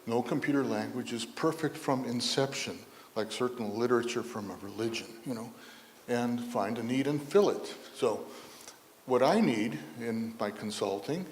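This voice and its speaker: Chicago guy giving a quick tech talk, dry jokes, echoey hall. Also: mid-range voice, a little mellow, a little hiss or hum. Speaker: conference speaker. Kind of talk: lightning talk. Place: conference hall. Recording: hall reverb.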